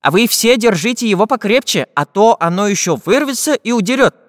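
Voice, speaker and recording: A man's voice: sits high, animated, fairly quick, no echo, clean studio sound, in a large hall, voice pushed up. A man voicing a practical little iron handyman with an earnest, puffing manner.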